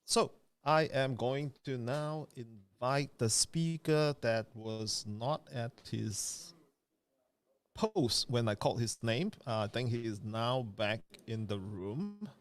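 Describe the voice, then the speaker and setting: A man's voice: mid-range voice, slow pace. A man hosting an online speech event over a video call, chatty and full of fillers. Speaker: event host.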